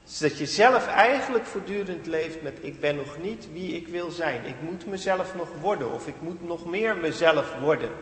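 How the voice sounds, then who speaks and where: A man preaching in a church, his fairly high voice carrying with long reverb through the hall. He speaks earnestly, building to emphatic peaks before dropping back to a quiet, reflective tone. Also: expressive, normal speed, few pauses, slight background noise. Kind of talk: sermon.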